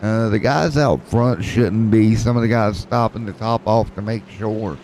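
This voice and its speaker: A man's voice: fairly low pitch, a little slow, darkish tone, slight background noise, poor audio. A man calling an esports race, with jokes and rambling play-by-play. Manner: joking, rambling play-by-play with fillers. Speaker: race commentator.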